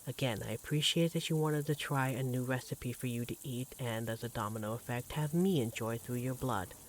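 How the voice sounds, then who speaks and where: A man playing an affectionate, devoted vampire partner in a roleplay audio drama, speaking in a tender, gently teasing, conversational way. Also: mid-range voice, brisk, lightly acted, poor audio. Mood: teasing, amused. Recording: clearly audible background noise, sizzling kitchen effects.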